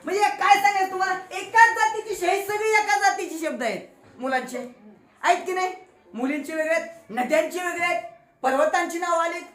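Marathi lady teacher, high bouncy voice, echoey classroom, kids chattering around. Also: animated, fairly quick, fairly bright tone. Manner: playful, teasing, quizzes pupils with call-and-response. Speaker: school teacher. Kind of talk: classroom grammar lesson. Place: classroom full of children.

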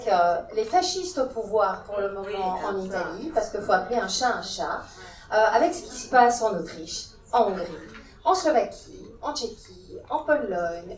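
A woman of Italian origin, a panelist at a round-table discussion, speaking forcefully and urgently into a handheld mic. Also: medium pitch. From Italy. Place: large conference hall. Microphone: handheld mic, filmed from far. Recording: echoey hall from far off.

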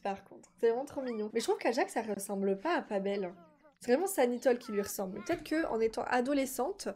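A young woman giving casual gameplay commentary, chatty and excitable, talking straight to her viewers and mixing in English words. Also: a little high. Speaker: gaming video creator.

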